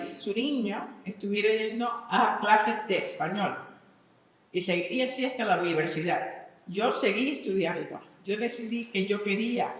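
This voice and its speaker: Slow-talking woman in an echoey hall. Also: mid-range voice, far from the mic. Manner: drills word lists aloud, asks the audience questions. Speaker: conference speaker teaching English vocabulary. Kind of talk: live conference talk. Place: large conference hall.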